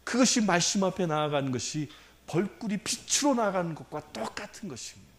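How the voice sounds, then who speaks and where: A male priest preaching a sermon in an animated way, often putting rhetorical questions to the congregation. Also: sits high, a little fast.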